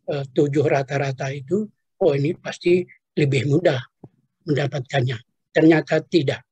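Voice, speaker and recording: Older male interviewee, husky and a touch high-pitched, halting reminiscence full of fillers. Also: darkish tone, dry recording. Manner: hesitant, many fillers and trailing asides. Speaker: interviewee, retired professor.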